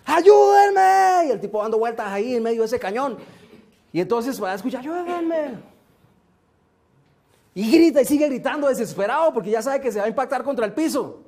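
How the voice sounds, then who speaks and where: A man giving a motivational seminar talk, slow and emphatic, often asking rhetorical questions. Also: very high voice, darkish tone. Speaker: motivational speaker.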